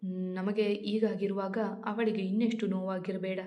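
A woman voicing an angry, protective young man who shouts threats at his sister's new husband in a storybook reading. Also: mid-range voice, flat delivery, unhurried, dull audio, natural voice. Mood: enraged.

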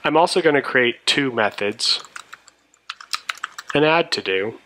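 A programming instructor narrates a screencast tutorial in a mid-range, expressive voice at a measured pace. His delivery is methodical and explanatory, with some background noise in the recording.

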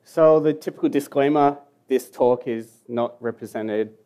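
Young australian guy presenting at a con, mellow voice, jokey, bit mumbly. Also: mid-range voice, a little slow, clean tone. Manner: casual, joking, mumbling at times. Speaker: security conference speaker. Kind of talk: conference talk. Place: conference hall.

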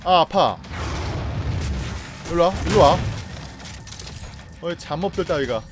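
Playful high-voiced man gaming. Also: expressive, unhurried. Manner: playful, taunts and coaxes the enemies he fights. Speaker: gaming streamer. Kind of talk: let's play commentary. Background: game music and effects.

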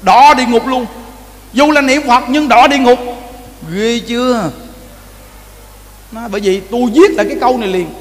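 A very high-pitched man speaks at normal speed, pausing often, as he delivers a Buddhist sermon in a Southern Vietnamese accent. He tells stories with animation, repeating words and addressing the audience frequently, recorded in a reverberant temple hall with faint noise.

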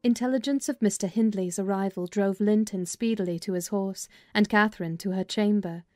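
A woman's voice: medium pitch, fairly quick, mellow, no echo, studio quality, faint music behind. Woman narrating a classic novel. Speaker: audiobook narrator. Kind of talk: dramatized literary narration.

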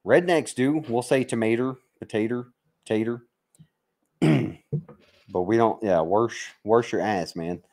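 An American veteran from Mississippi, United States, chats casually on his livestream in a gravelly, darkish voice on the low side. He's unhurried and pauses often, while staying blunt, sweary, and jokingly bantering with viewers.

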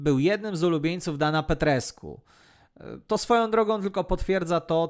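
A man hosting a football podcast, narrating a player's career in a prepared, measured, factual way. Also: fairly high pitch.

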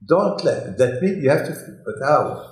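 An older man from Morocco, giving an animated Torah lecture in English, repeating his phrases. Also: mid-range voice, normal speed. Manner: animated, gesturing broadly, repeats phrases, non-native English. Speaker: rabbi. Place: synagogue hall, indoors. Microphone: desk mic on stand. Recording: echoey hall.

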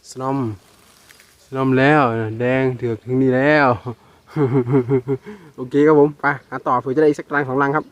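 A man with a Northeastern Thai accent narrating a casual outdoor vlog while he harvests wild bee nests, exclaiming excitedly and calling his viewers brothers and sisters. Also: medium pitch, measured pace, dull audio. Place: outdoors in rural scrubland.

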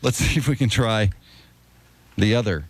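A man's voice: on the low side, moderate pace, heavy background noise. A man with an American accent bantering casually as a morning radio host, close on a studio mic. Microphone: close broadcast studio microphone with headphones.

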